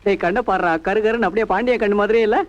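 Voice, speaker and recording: A man's voice: high-pitched, steady tone, rapid-fire, highs cut off, natural voice. Man playing a fussy young bachelor. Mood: coaxing. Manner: coaxing, bossy with friend.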